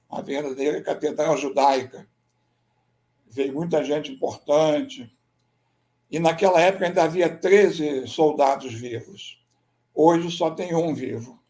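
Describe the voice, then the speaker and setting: A Brazilian man who researches and writes about military history gives a slide presentation in a measured, explanatory way. His voice is fairly high and mellow, and he often ends sentences with a questioning "né?"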